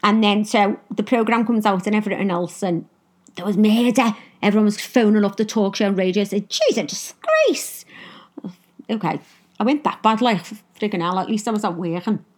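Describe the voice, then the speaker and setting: A woman's voice: mid-range voice, fairly even intonation, brisk, a little mellow. A middle-aged woman with a Liverpool accent, bluntly telling her own life story and swearing freely. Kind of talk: personal storytelling monologue.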